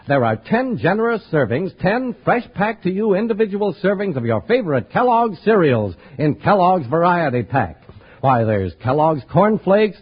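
A man's voice: on the high side, breathy edge. An American man in a polished, promotional old-time radio announcer delivery, reading a script. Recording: dull old radio recording, faint music.

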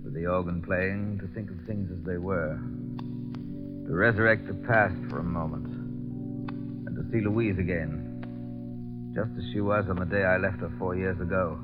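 An actor playing a haunted bomb-disposal captain who tells his story in a quiet, brooding way, in 1940s radio acting style. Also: low voice, fairly even intonation, normal speed, long pauses, music in the background, close to an everyday voice. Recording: lo-fi old radio recording.

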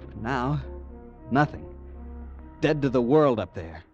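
A man's voice: medium pitch, animated, slow, muffled recording, soft background music. An actor playing a young man narrating his growing fear in 1940s radio acting style. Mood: tense. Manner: narrates tensely, growing panicky.

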